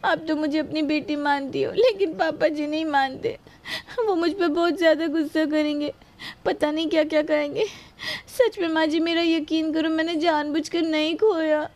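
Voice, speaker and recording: A woman's voice: sits high, steady tone, moderate pace, darkish tone. A young woman playing a timid daughter-in-law who pleads anxiously. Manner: pleading, fearful.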